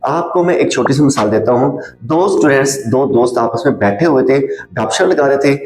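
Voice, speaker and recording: A man teaching a language lesson. He drills each word by repeating it several times and mixes in slow English example sentences. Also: medium pitch, animated, a little mellow, reverberant, faint music behind, rough recording.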